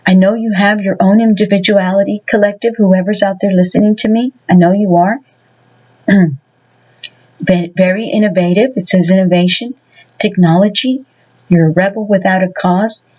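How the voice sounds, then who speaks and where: A woman's voice: mid-range voice, fairly even intonation, moderate pace, darkish tone, dull audio. A woman giving a casual tarot reading to her viewers. She talks in a rambling way and fills her sentences with many "you know"s. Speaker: tarot reader.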